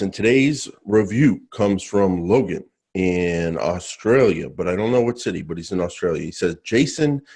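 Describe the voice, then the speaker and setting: Man, podcast co-host, lowish voice, playful teasing banter, casual chat. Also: a little mellow.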